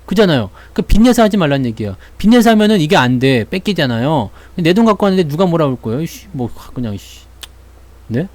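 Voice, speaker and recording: A man's voice: a little high, sing-song, fast talker, few pauses, a little mellow, dry recording. A man hosting a stock market channel, talking in a casual, playful way and acting out little voices as he chats. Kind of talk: casual chat.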